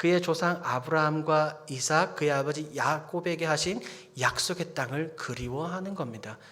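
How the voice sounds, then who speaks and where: In audible room echo, a man talks at a moderate pace and fairly high pitch with ordinary pitch variation. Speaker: preacher. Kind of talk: sermon. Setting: church evening service. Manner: engaging, asks the congregation questions.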